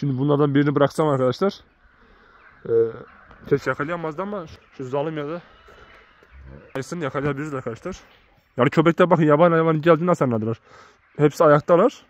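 A man's voice: fairly high pitch, quick pace, long pauses, lo-fi sound. A man who works as a shepherd, talking casually to his viewers outdoors in a farmyard and often calling them friends. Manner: chatty, keeps addressing viewers as friends. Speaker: shepherd vlogger. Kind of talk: casual vlog narration to viewers.

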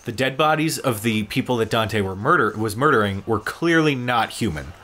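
A man's voice: medium pitch, lively intonation, pushed and bright. Man commentating over noisy gameplay. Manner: explanatory, halting while playing. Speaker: gaming show co-host and player.

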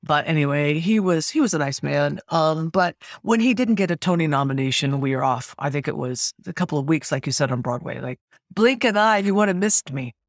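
Older lady chatting on a podcast, lively storyteller, pitch all over the place, dry close sound. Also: no echo. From California. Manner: animated storyteller, quick restarts and asides. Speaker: podcast guest, actress and singer. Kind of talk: casual interview chat.

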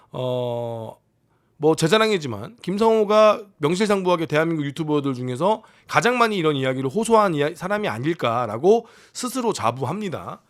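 Animated, cursing Korean commentator man. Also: fairly high pitch. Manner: profane, exasperated ranting. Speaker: YouTube military commentator. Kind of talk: casual commentary.

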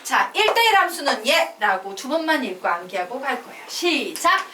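A woman math teacher lectures in a classroom, her fairly high voice rising and falling with lively inflection as she has students chant definitions back. She sits at a distance from the mic, so the sound is roomy and echoing, with clear background noise. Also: fairly quick, crowd noise. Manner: lively, drills students with call-and-response chanting; mixes casual and polite speech. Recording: echoey classroom, far from mic, noisy.

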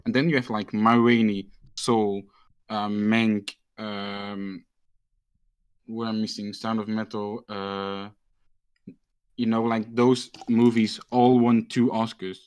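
A man's voice: fairly low pitch, level tone, takes it slowly, a little mellow, clean tone. A man from Belgium, a guest on a live stream, talking about film awards in a hesitant way with many fillers. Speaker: guest movie commentator. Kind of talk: casual film talk on a stream.

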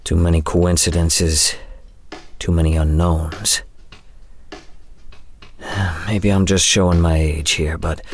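An older, world-weary man narrating a noir audio drama. The voice is extremely low and unhurried, brooding with a wry edge. There is faint noise behind it. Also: level tone. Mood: wary, weary.

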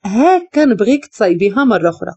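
A woman's voice: fairly high pitch, sing-song, fast talker, warm tone, slightly rough, lo-fi sound. A woman with a Moroccan Arabic accent voicing a harsh, domineering rich man who scolds and gives orders. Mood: cold. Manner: cold, scolding and commanding. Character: harsh, domineering wealthy man, master of a palace.

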